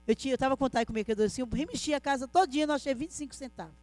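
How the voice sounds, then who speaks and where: Middle-aged woman, church testimony, rapid earnest delivery, speaks directly to the congregation. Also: high voice, a little mellow, dry recording. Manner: earnest storytelling, often addressing listeners as brother.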